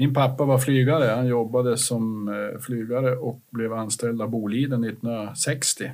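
A man speaks at a fairly slow pace with a Västerbotten accent and monotone, flat intonation. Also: medium pitch for a man. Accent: Skellefteå dialect. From northern Sweden, Skellefteå. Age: 60s. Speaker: company CEO. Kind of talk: interview.

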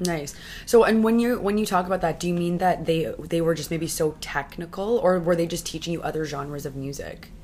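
Over noticeable background noise, a woman with a fairly low voice talks at a fairly quick pace with hardly any pauses and ordinary pitch variation. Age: 30s. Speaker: podcast host. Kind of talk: casual interview chat.

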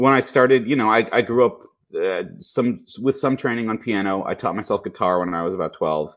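Speaking in an ordinary speaking voice with an American accent, a man uses a medium pitch, lively intonation and a moderate pace on a very clean recording with a silent background. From US Northeast, Boston. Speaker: songwriter and entertainment professional. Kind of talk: interview.

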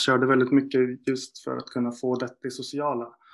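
The voice belongs to a man. His pitch is medium. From Stockholm, Sweden. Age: 30s. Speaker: sports psychology consultant. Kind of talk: casual chat.

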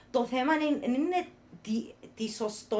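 Someone with a Cypriot accent speaks at a very slow pace. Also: woman. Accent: Cypriot Greek. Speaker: podcast host. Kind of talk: casual chat. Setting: studio.

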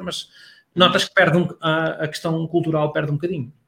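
The man's voice is high in pitch, with a bright, sharp tone. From Portugal, Bairrada region. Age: 40s. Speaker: youtuber and radio personality. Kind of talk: casual chat.

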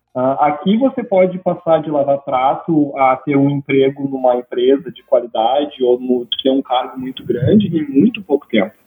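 A man with an unremarkable speaking voice talks at a moderate pace, his pitch fairly high with ordinary variation. He barely pauses, and his loudness swings widely. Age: 30s. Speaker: Brazilian immigrant in Canada. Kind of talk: casual chat.

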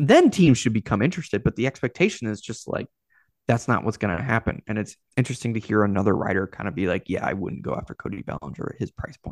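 A man speaks at a very fast pace, his pitch medium and his intonation lively. The sound is dry and close, with no echo. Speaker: podcast host. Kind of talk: casual interview chat.

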